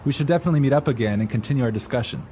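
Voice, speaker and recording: A man playing a polite businessman in a scripted language-lesson dialogue, with a standard American accent and courteous, clear enunciation. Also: medium pitch, very fast, dark tone, a little hiss or hum, natural voice. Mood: polite, brisk. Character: polite, hurried businessman, mildly sheepish with an acquaintance.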